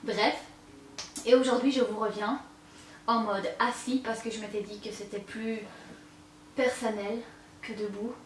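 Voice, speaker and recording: A woman's voice: a little high, fairly even intonation, a little slow, pauses often. A young woman vlogging from home, seated and chatting candidly to camera, hesitating often and repeating words. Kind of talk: casual confiding chat to camera. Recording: roomy, distant mic with faint room noise.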